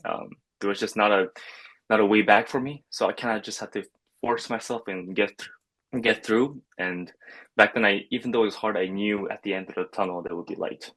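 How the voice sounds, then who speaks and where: A man's voice: on the low side, fairly even intonation, brisk, fairly bright tone, poor audio. A young man, a nursing student, answering hesitantly with many fillers on a video call from a bedroom. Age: young adult. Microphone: video call webcam.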